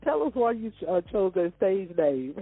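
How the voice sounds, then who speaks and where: A woman's voice: mid-range voice, big pitch swings, moderate pace, breathy edge, no echo. Woman hosting over a dry tinny line. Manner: rambling, many fillers and restarts. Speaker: radio show host. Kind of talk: hesitant interview questions.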